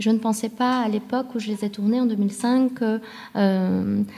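A woman speaks at a fairly slow pace in a fairly high, somewhat breathy voice with a dark, mellow tone and flat, monotone intonation. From Vietnam. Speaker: visual artist. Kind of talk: public talk.

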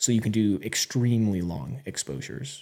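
A man's fairly low voice with an American accent, vocal fry and lively intonation. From Utah, US. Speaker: medical student and photographer. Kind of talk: casual chat.

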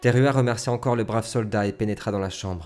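A man speaks with a dark, mellow tone at a moderate pace, his intonation fairly even. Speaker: storyteller narrator. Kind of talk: dramatic fantasy storytelling, scripted narration. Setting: audio-only episode. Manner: theatrical, solemn, gravely dramatic.

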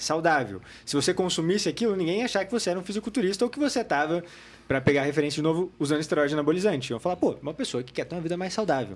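Pitched high, a man speaks very quickly. His intonation stays lively. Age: young. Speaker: company co-founder. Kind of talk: interview.

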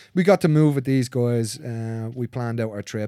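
A man speaks with an Irish accent at a moderate pace. His tone is dark and mellow, at medium pitch. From Ireland. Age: 40s. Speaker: physical therapist and aid worker. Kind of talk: casual chat. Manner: animated.

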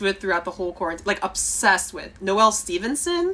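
A woman is speaking here. Her pace is fairly quick. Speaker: podcast host, film student. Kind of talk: casual interview.

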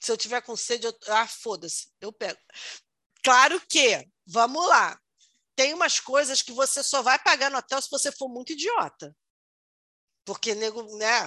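A woman speaks at a fairly slow pace with long, frequent pauses, in a high, bright, sharp voice. Her intonation is lively and her loudness swings widely. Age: 40s. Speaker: podcast host. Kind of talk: casual chat.

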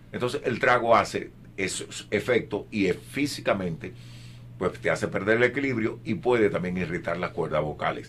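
Lively intonation carries a man's fairly low voice, which has audible vocal fry. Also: moderate pace. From Cuba, Santiago de Cuba. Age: 70s. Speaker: singing teacher and singer. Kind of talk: interview.

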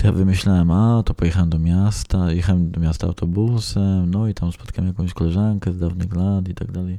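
A man's very deep, low voice at a very fast pace, dark and mellow in tone, with monotone, flat intonation. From rural Poland. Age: 20s. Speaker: podcaster. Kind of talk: personal monologue. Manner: halting.

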